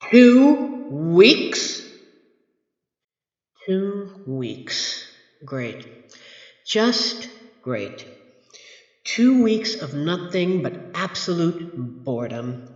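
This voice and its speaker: A man playing a grumpy, haughty monster from under a child's bed in an audio roleplay, speaking in a dry, pompous, deliberate way with exasperated sighs. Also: a little high, highs cut off. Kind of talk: scripted ASMR roleplay audio drama. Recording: echoey, reverberant room effect.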